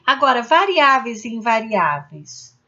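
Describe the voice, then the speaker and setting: A woman with a fairly high voice leads an exam-prep grammar lesson. She explains each rule step by step, gives spoken examples, and keeps checking in with her viewers. The recording sounds dull and lo-fi. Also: big pitch swings, unhurried, bright, forceful tone. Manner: addresses viewers as "gente" with frequent "né?" tags. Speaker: Portuguese language teacher.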